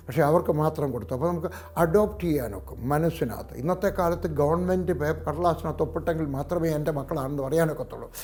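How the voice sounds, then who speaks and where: A man's voice: fairly high pitch, darkish tone. Emphatic middle-aged preacher, man. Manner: emphatic, calls out hallelujah, fires rhetorical questions at the audience. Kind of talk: Pentecostal sermon.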